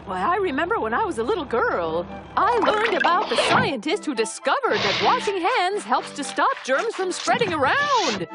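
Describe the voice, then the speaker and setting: A woman voicing a warm, chuckling grandmother who tells stories in a children's cartoon. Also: very high-pitched, very animated, moderate pace. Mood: fond. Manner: laughing, storytelling. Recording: studio voice with music bed.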